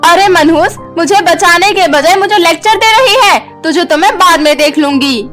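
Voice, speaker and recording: A woman acts out a sharp-tongued stepmother from a cartoon moral tale. Her voice is high and shrill, with snapping, quick-tempered delivery over faint music. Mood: furious. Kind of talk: Hindi cartoon moral story acting.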